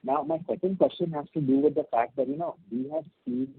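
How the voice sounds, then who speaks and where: A man's raspy, gravelly voice comes through a tinny, dry phone line that keeps breaking up. He speaks in a lively, fairly high register, stopping and restarting his questions as the bad connection cuts in and out. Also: a little fast, no echo. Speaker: analyst on an earnings call. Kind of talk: conference call questions.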